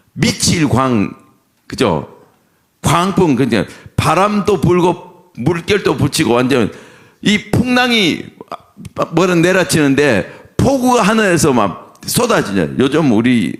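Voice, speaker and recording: Preaching to his congregation, a middle-aged pastor poses questions and then answers them himself. His voice is of medium pitch.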